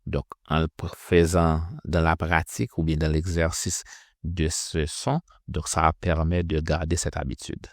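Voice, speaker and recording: Slow, deep-voiced man teaching pronunciation. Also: level tone, dry recording, clean studio sound. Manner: slow, careful, repeats sounds for practice. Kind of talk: phonetics lesson with drills.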